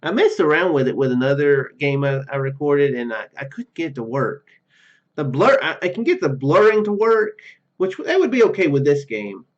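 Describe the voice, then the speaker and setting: Speaking at normal speed, this man has a higher voice with big pitch swings. He hosts a let's-play video, rambling casually through gameplay commentary and reading dialogue aloud, hesitating and repeating himself, recorded on a dull lo-fi mic with faint music.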